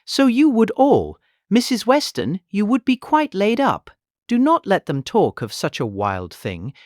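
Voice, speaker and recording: A fretful old gentleman, forever anxious about everyone's health. His pleading, worrying delivery swings wildly up and down, recorded close and dry, as in a full-cast audiobook of a period novel. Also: high-pitched, wildly swooping pitch, unhurried, dry recording, full character voice. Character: fretful elderly English gentleman, anxious father fussing over health.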